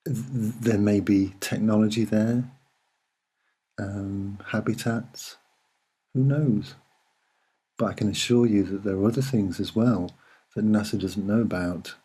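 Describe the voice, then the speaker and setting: A soft-spoken man with a husky voice, giving a casual, musing and hesitant commentary as he explains what he sees. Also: fairly low pitch, steady tone, measured pace, pauses often. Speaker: video narrator.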